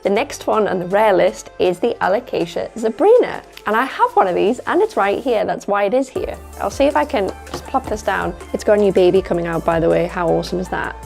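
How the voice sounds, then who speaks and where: A woman's voice: mid-range voice, lively intonation, a little fast, vocal fry, few pauses, darkish tone, soft background music. A woman talking casually to her viewers about her plants, chatty and rambling, while she is losing her voice. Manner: chatty, rambling, self-correcting. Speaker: plant vlogger. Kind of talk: casual talk to camera. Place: at home indoors.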